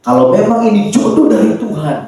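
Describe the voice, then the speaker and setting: A man from Indonesia, a pastor preaching a sermon in a church, lively and acting out the voices of the people he quotes. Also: high-pitched, fairly quick. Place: church hall. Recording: echoey church from far off.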